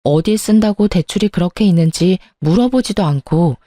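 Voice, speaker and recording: Brief: female storyteller, mellow dark tone, dry close mic, calm and wry. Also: on the low side, moderate pace, dry recording. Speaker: story narrator. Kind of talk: first-person storytelling with acted dialogue.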